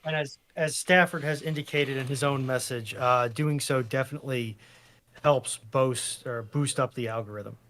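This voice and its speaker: A man of medium pitch chips in on a livestream panel. His commentary is casual but measured, with slightly formal phrasing. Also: fairly bright tone.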